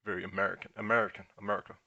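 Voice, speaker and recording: Stream host, German-born man, German first language, low and gravelly, thinks aloud while answering the chat. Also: flat delivery, rapid-fire, bright, forceful tone, no echo, dull audio. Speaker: crypto livestream host. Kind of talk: casual livestream Q&A.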